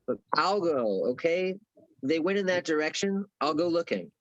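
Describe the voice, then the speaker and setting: A man playing a guarded, noncommittal young boyfriend in a table read, low-key and terse. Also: lively intonation, moderate pace, close to an everyday voice. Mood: concerned. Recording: dull, muffled remote-call audio.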